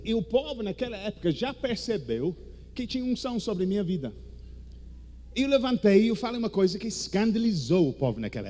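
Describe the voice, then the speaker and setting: Animated male preacher with an English-speaking foreign accent. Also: a little high, slight background noise. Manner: theatrical, with halting non-native grammar. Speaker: guest preacher. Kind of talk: charismatic sermon in Portuguese as a second language.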